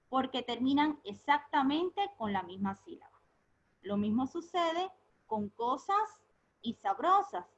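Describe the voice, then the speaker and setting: In a high voice, a woman teacher records a remote lesson, patiently putting questions to her pupils, answering them herself, and slowly repeating key words. The sound is lo-fi.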